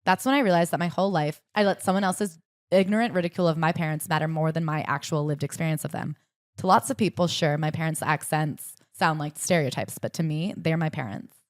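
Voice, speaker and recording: A young woman co-hosting a podcast, summarizing a book and reading passages aloud in a brisk, chatty way. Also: sits low, dry recording, clean studio sound. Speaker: podcast co-host. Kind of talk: casual book-club chat with read-aloud passages.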